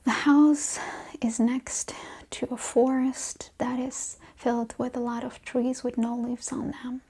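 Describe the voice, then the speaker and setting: Casting: female ASMR host, mellow breathy whisper, slightly high, hushed casual chat. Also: little pitch movement, slow pace.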